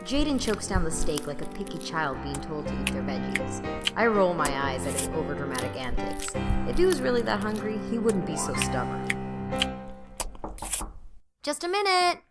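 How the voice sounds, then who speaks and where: A woman's voice: deep voice, very animated, normal speed, over loud music. A woman playing an exasperated, sarcastic heroine who also narrates an audio drama, blunt in manner. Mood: wry. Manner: sardonic, blunt. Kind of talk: audio drama acting with first-person narration.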